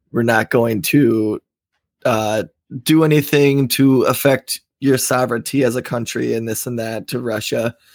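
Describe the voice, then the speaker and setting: A man speaks in a normal speaking voice at medium pitch, fairly slowly and with fairly even intonation. The sound is dry and close with no echo, on a very clean recording with a silent background. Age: 30s. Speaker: podcast co-host, blue-collar worker. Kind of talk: casual chat.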